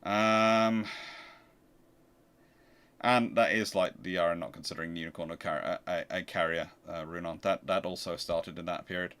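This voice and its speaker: A man's voice: low voice, fairly even intonation, normal speed, fairly bright tone, smooth. A man hosting a livestream in a casual, chatty way, answering viewer questions and often repeating words as he restarts phrases. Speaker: livestream host.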